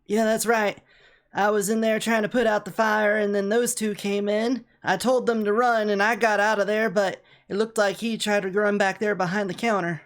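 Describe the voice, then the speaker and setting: A man voices a big fast-food manager in a tabletop game, pitched up from the player's usual voice. He sounds flustered and earnest as he explains himself. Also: flat delivery, natural voice.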